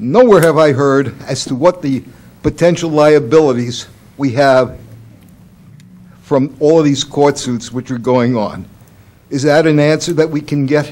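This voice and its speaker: With a Brooklyn accent, a man speaks fairly slowly and leaves long, frequent pauses. His pitch is fairly high and varies in an ordinary way. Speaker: resident speaking at public comment. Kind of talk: public comment at council meeting. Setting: council chamber, public meeting.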